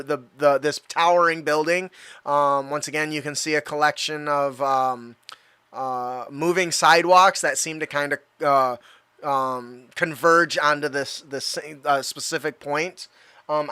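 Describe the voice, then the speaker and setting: A man narrating a tabletop superhero game as game master, rambling with many pauses. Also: a little high, sharp tone, smooth, no echo. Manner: rambling, lots of ums and uhs.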